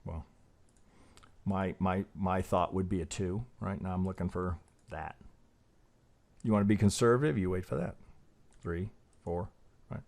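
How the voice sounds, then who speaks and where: A man's voice: low-pitched, measured pace, vocal fry, long pauses, a little mellow. A middle-aged man hosting a trading channel, talking casually through chart analysis, rambling, swearing and asking "right?" again and again.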